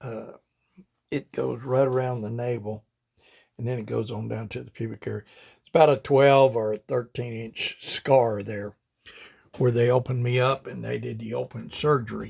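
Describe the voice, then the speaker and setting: On a very clean recording with a silent background, a man with a medium pitch speaks at a moderate pace, somewhat breathy and monotone, with long, frequent pauses. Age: 70s. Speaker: vlogger. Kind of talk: personal health advice vlog. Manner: casual, halting with fillers.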